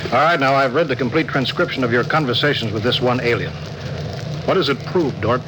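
An actor playing a stern, weary starship captain who gives clipped, commanding orders in a 1950s radio drama. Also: male voice, medium pitch, brisk, lightly acted. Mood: grim. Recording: hissy old radio broadcast.

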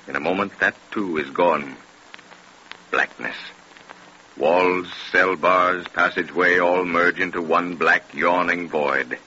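A man playing the grave, ominous narrator of a 1930s radio mystery, measured and theatrical. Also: sits low, sharp tone, muffled recording, heavily acted. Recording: scratchy, band-limited 1930s radio recording.

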